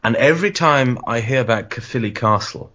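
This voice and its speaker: A man's voice: medium pitch, lively intonation, a little fast, bright, forceful tone. A man who grew up in Wales, a guest in a casual discussion, talking thoughtfully and repeating phrases as he works through a point. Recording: muffled lo-fi audio.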